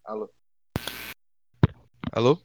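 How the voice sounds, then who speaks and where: A man's voice: extremely slow, darkish tone, dull audio, a little hiss or hum. A man playing a tabletop game over a voice call, calling into the line as his connection drops out.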